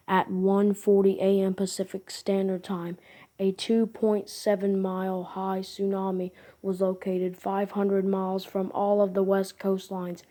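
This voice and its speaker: A woman reading a scripted emergency broadcast announcement in a formal, deliberate monotone. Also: mid-range voice.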